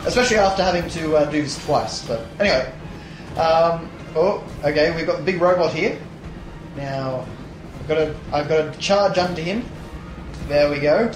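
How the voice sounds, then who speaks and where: Hoarse young man narrating gameplay. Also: on the high side, animated, normal speed, pauses often, reverberant, noisy background. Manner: rambling, many fillers and restarts. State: hoarse, tired voice. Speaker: let's play host. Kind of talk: casual gameplay commentary. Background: game music.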